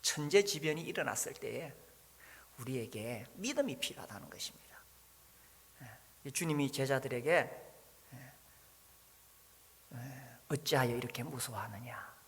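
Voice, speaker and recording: A man's voice: mid-range voice, animated, unhurried, creaky, pauses often. A man preaching a sermon as pastor, musing aloud with frequent "ah" and "uh" fillers. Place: church sanctuary. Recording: long reverb of a hall.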